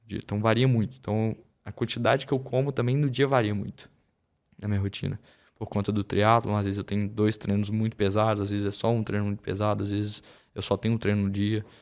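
A plain, everyday voice: a man with a fairly low pitch and fairly even intonation at a fairly quick pace, over a very clean recording with a silent background. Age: 20s. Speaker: triathlete and routine coach. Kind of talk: casual chat.

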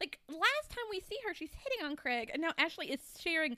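A woman projects a raised voice at an extremely high pitch, with very wide pitch swings. She keeps a moderate pace, and the sound is dry and close with no echo. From Kentucky. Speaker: young adult author. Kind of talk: casual chat.

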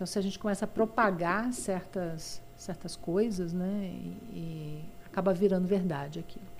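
A woman talks at a moderate pace with hardly any pauses, her medium pitch following fairly even intonation. Her somewhat breathy voice shows big swings in loudness. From Brazil. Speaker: astrophysicist and professor. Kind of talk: live interview.

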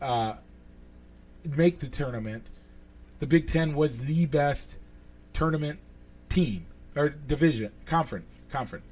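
Somewhat breathy and fairly high-pitched, a man with an American accent talks at a fairly slow pace with long, frequent pauses and ordinary pitch variation. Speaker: sports podcast co-host. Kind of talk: casual chat. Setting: studio, live video stream.

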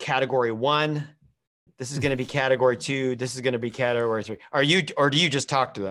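A man with an unremarkable speaking voice talks fairly quickly at a medium pitch with ordinary variation. The recording is very clean, with a silent background. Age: 50s. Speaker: theology podcast co-host. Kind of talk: casual theological discussion.

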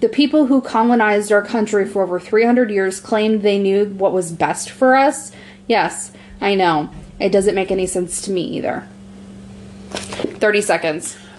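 A woman at medium pitch, with ordinary pitch variation, over noticeable background noise. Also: moderate pace. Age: 20s. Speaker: podcast co-host. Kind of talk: casual chat.

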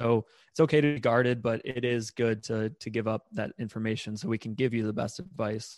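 A man with an ordinary speaking voice talks at a medium pitch and a fairly quick pace, the sound dry and close with no echo. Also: fairly even intonation. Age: 20s. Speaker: Medicare insurance agent. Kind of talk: casual chat.

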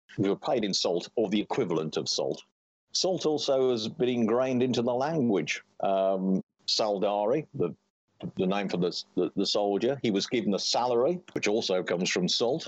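In an English Midlands accent, a man talks at a moderate pace and a medium pitch. His intonation is lively, and his loudness stays very even. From England. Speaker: author and etymologist. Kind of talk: interview.

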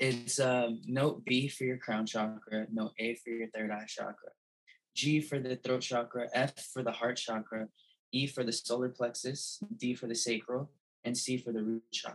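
A man speaks at a moderate pace and medium pitch. He has an unremarkable speaking voice with fairly even intonation. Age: 20s. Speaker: musician and sound healer. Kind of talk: casual chat.

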